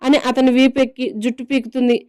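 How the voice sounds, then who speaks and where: A woman narrates a scripted story with a steady, even reading. Her voice is fairly high, smooth and mellow. The sound is dry and close. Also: quick pace, dry recording.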